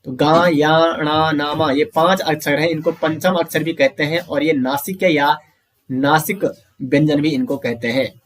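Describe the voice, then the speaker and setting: A man teaching an online grammar lesson, explaining step by step, asking questions and answering them himself, and saying sounds out slowly for pronunciation drills. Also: a little high. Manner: often addresses listeners as friends.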